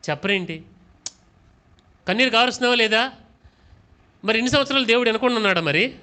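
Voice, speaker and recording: A man's voice: high voice, sharp tone. A male pastor preaching a sermon, firing questions at his congregation, urging them to answer aloud, and mixing English phrases into his talk.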